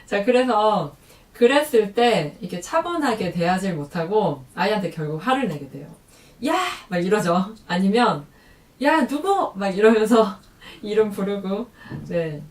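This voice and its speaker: A woman vlogging about talking with children, chatty and lively, acting out quoted lines. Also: mid-range voice, echoey room, recorded from a distance. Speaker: parenting vlogger. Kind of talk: casual talk to camera.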